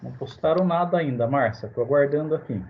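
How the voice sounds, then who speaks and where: Man with a Brazilian Portuguese accent, moderator, mid-pitched, short relayed remarks, dull call audio. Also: quick pace. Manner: brief, relays chat messages. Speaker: session moderator reading the chat. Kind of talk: casual online meeting talk.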